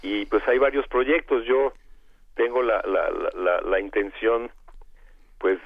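A man with a Mexican accent and a hoarse, cavernous voice from bronchitis, speaking haltingly as a guest in a radio interview over a phone line. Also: lowish voice. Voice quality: cavernous, congested voice. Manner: halting, hesitant, searching for words.

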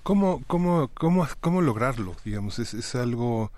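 A man hosting a radio talk show, speaking in measured, halting phrases. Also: medium pitch, animated, darkish tone, no echo.

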